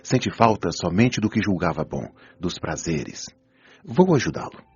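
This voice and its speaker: An actor with a Brazilian accent playing a wise, patient spirit doctor who counsels souls in a measured, admonishing way in an audio drama. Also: male voice, deep voice, big pitch swings, slightly rough, full character voice. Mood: instructive. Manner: didactic, measured, gently admonishing. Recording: dull lo-fi audio, music behind.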